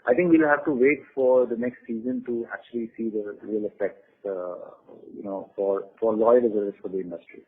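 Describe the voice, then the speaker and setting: A man speaking as a company executive, giving halting, measured, unscripted answers on an earnings call over the phone. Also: lowish voice, slightly rough. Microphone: phone conference line. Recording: tinny phone-line conference call.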